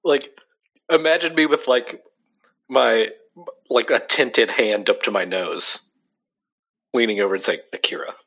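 A man's voice: mid-range voice, unhurried, vocal fry, long pauses, fairly bright tone, breathy edge. A young adult man co-hosting a casual podcast chat, talking loosely with lots of fillers and easy laughs. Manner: chatty, laughs easily, frequent "like" fillers. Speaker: podcast co-host.

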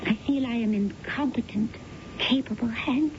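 A woman's voice: a little high, moderate pace, natural voice. An actress playing a flirtatious, effusive woman client in a radio drama, with theatrical delivery. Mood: demure, admiring. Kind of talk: 1970s radio drama acting. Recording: dull, noisy vintage radio broadcast.

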